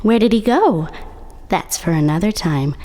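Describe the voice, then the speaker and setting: A woman's voice: mid-range voice, expressive, moderate pace, warm tone, natural voice. A woman playing a dead teenage girl who narrates an audio drama in a wry, confiding, conversational way. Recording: music under the voice.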